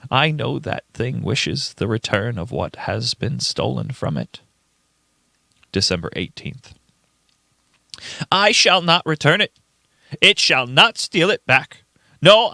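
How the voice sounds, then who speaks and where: Man acting a frantic old man, swinging pitch. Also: pushed and bright, no room sound, full character voice. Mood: haunted, distressed, then defiant. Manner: theatrical, halting, emphatic delivery. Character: frantic paranoid old grandfather keeping a diary. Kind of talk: dramatic horror radio-play diary reading.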